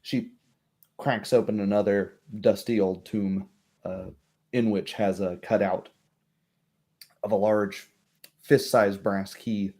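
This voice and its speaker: Low-pitched, halting male game master. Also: fairly even intonation, mellow. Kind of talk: narrating a tabletop game.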